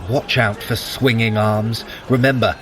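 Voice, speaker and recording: An actor playing a wry, scheming god who guides a mortal in an audio adventure, sardonic and commanding. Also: male voice, on the low side, level tone, a little slow, noisy background, close to an everyday voice. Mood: watchful, instructing. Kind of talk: audio adventure drama for runners.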